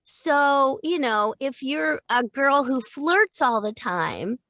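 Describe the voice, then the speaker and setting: A middle-aged woman voice actor, a guest on a podcast, chatting casually in a playful, expressive way, laughing often and restarting her thoughts as she goes. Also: sits high, takes it slowly, dry recording, studio quality. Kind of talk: casual interview chat.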